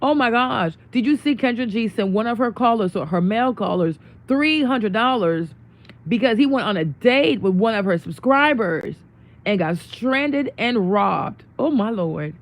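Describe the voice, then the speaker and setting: A young woman with a worn-out, hoarse voice chatting casually with viewers on her livestream, greeting them and laughing often. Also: fairly high pitch, expressive, measured pace. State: losing her voice. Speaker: livestream host. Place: home room.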